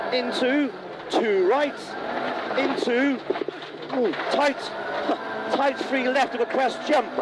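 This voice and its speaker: Over loud background noise, a man's voice comes through dry, with no echo. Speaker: rally co-driver. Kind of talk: rally pacenotes read aloud. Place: car. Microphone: headset.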